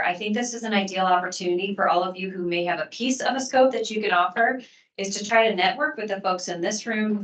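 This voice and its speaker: Low-voiced woman in an echoey room. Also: a bit bright, recorded from a distance. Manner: plain-spoken, explanatory. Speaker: city official presenting a contract meeting. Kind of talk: public meeting briefing.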